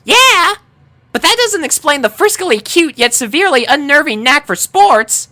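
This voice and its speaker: A man voicing a quirky, excitable, giggly teenage girl with a perky manner in a story reading. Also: very high voice, moderate pace, pitched above the performer's own voice, exaggerated voice.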